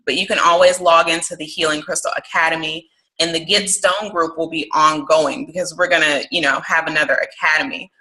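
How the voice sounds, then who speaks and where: A woman with a deep, steady, bright and forceful voice hosts a casual group conference call for a crystal course, talking a little fast. She's chatty and encouraging and says "y'all." The recording is low quality, coming through a phone or computer call.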